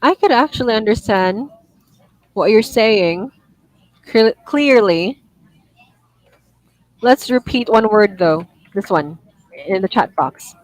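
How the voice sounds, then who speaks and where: A woman teaching an online one-on-one IELTS lesson, giving gentle corrections and apologizing for her own slips. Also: mid-range voice, animated, slow, pauses often, dry recording, rough recording.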